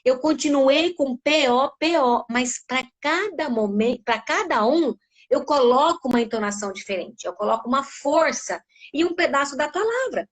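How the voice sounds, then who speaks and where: A middle-aged woman from Brazil, a speech therapist giving an animated talk in a live webinar and acting out sounds with her voice. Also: high voice, moderate pace.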